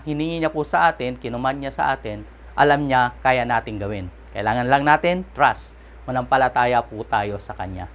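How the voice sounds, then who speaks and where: A man with a Filipino accent preaching a sermon online, switching between two languages and slowing down to stress key words. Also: mid-range voice, highs cut off. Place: online church gathering.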